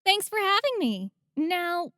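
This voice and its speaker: A woman voicing a brash, battle-loving female Mew superhero who is sassy and quick to bristle, in a fan comedy skit. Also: extremely high pitch, very animated, noisy background, heavily acted. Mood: defensive.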